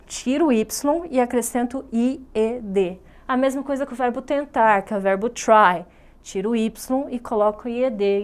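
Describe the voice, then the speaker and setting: A woman's voice: a little high, a little mellow. A Brazilian woman English teacher giving a recorded online grammar lesson in a patient, explanatory way, often checking understanding. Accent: Brazilian Portuguese.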